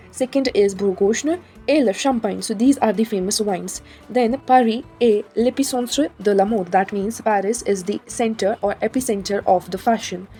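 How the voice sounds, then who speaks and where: A woman's voice: medium pitch, mellow. A young woman teaching a French lesson, explaining step by step and asking how so.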